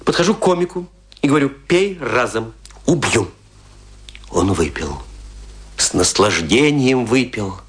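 A man's voice: medium pitch, expressive, lightly acted. Man playing a theatrical, boastful provincial tragedian, wildly swooping delivery. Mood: boastful relish. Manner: theatrical, emphatic, with pointed pauses. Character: boastful provincial tragic actor, theatrical, scornful storyteller. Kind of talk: dramatic radio play monologue.

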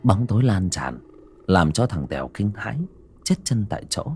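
A man narrating a horror story dramatically, dropping to a hushed, slow delivery for suspense. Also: low voice, very animated, a little hiss or hum.

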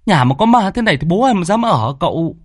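A man's voice: sits high, sing-song, brisk, no echo, studio quality, voice pushed up. Man doing a whiny scared homeowner. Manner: whining, pleading. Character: fearful whiny homeowner man in his thirties.

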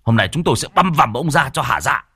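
A man voicing a furious villager in a crowd who rants in a fast, venomous way. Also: medium pitch, lively intonation, gravelly, sharp tone, breathy edge, no echo, clean studio sound, pitched above the performer's own voice, exaggerated voice.

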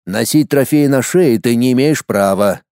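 A man voicing a blunt tribal warrior who speaks gruffly and insistently. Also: mid-range voice, normal speed, darkish tone, no echo, clean studio sound, natural voice. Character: blunt tribal warrior, right hand of the chief.

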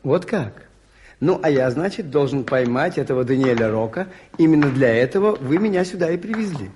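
An actor playing a mild, inquisitive Catholic priest and detective in a radio play, polite and hesitant, with a slightly husky voice. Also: male voice, medium pitch, animated, fairly quick, noisy background, close to an everyday voice. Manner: polite, soft-spoken, hesitant, questioning. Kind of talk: 1980s Soviet radio play acting.

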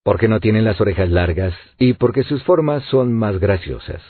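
A man's voice: lowish voice, expressive, moderate pace, no echo. A man reading the lines of a young, knowledgeable colonist who explains things, with narrow phone-like sound. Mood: explaining. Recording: narrow phone-like audiobook audio.

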